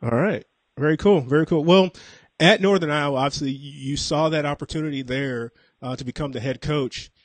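A man's voice: a little high, brisk, no room sound. A man hosting a sports radio show, asking questions steadily with some fillers. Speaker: radio host.

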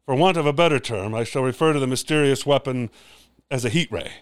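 A man playing a learned, cautious scientist, explaining deliberately and pedantically in a radio drama. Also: mid-range voice, clean tone, dry recording, studio quality, lightly acted. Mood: cautious, scholarly.

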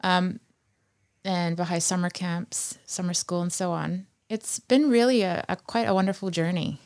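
A woman whose first language is Farsi talks thoughtfully as a guest, pausing often on ums and you-knows. Her voice sits a little low. The sound is dry and close. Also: steady tone, a little mellow, dry recording. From Iran. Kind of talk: casual conversation.

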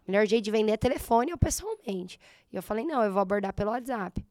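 A slightly hoarse woman in her thirties with a Brazilian accent, telling her story in a casual interview and acting out her past thoughts. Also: mid-range voice, expressive, fast talker, warm tone, dry recording, studio quality. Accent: Brazilian Portuguese. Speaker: guest, entrepreneur.

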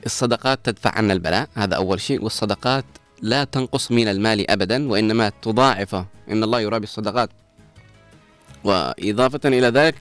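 Guy on morning radio, talks quick, kinda preachy, faint music behind. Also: lowish voice, clear, resonant tone. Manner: earnest, preachy and moralizing. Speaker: radio presenter. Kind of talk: morning radio advice talk.

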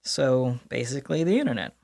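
A man's voice: medium pitch, lively intonation, a little fast, creaky, a little mellow, no room sound, clean studio sound. A man in his twenties playing a responsible, insistent brother in an audio drama. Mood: practical. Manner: earnest, nudging. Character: responsible, insistent young brother, practical and gently firm.

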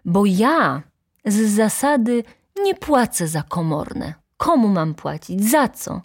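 A woman voicing a hot-tempered, indignant poor young male student who shouts in outrage. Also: mid-range voice, animated, a little slow, pitched above the performer's own voice.

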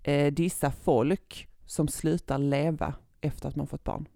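A woman co-hosting a podcast, chatting in a relaxed, opinionated way. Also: sits low, creaky, dry recording, clean studio sound. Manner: relaxed, opinionated, giggles between points. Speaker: podcast co-host. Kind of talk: casual podcast chat.

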